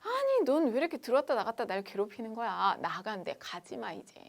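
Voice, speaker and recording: A woman acting out a stubborn, contrary coil that hates any change, shouting petulant refusals in a high voice. It whines and protests like a spoiled child in a classroom skit. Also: huge pitch swings, a little fast, vocal fry, exaggerated voice. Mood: whiny.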